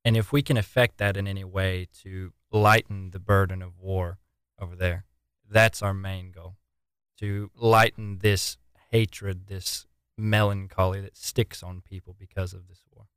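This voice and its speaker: A young man of twenty answers questions in an interview. His voice is on the low side and smooth, with an earnest, articulate delivery. The sound is dry and close. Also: fairly even intonation, measured pace, a bit bright, no room sound. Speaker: interview guest, relief volunteer.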